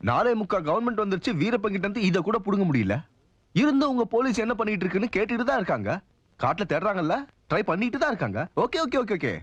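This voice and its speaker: A man's voice: high-pitched, sing-song, fast talker, slightly rough, no room sound, muffled recording, full character voice. An actor playing a smug, sarcastic male police officer in a dubbed film, with a mocking, swaggering delivery. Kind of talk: Tamil film dub dialogue.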